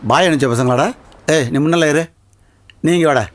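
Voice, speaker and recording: An actor playing a menacing, domineering rowdy boss in a Tamil film, bullying in Madras street slang. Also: male voice, a little high, a little fast, slight background noise, close to an everyday voice. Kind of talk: film dialogue acting.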